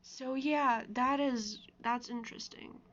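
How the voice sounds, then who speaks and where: Higher-voiced woman, even-toned casual vlogger. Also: slow pace. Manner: informal, rambling, explanatory. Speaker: video creator reading and answering comments. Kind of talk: casual commentary mixed with reading aloud. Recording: dull lo-fi microphone sound.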